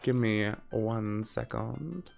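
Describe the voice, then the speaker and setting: A man's voice: fairly low pitch, very slow, vocal fry, darkish tone, faint music behind. A man with a slightly congested, sniffly voice from a cold, chatting casually and conversationally to his live stream viewers. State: sick with a cold.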